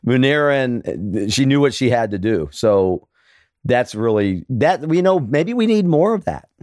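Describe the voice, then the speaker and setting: A man's voice: mid-range voice, very animated, measured pace, darkish tone, no echo, studio quality. A man hosting an interview who asks open questions and answers his guest with eager encouragement. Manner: encouraging, enthusiastic affirmations.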